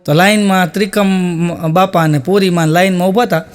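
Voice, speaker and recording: A man with a high, light voice tells stand-up jokes. He talks in a folksy, storytelling way and slips into the voices of the village characters in his stories. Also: steady tone, normal speed. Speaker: comedian. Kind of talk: stand-up joke telling.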